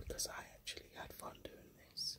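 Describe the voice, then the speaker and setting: A woman is whispering. Her pace is fairly slow. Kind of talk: ASMR nail removal demonstration. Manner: softly spoken, whispered.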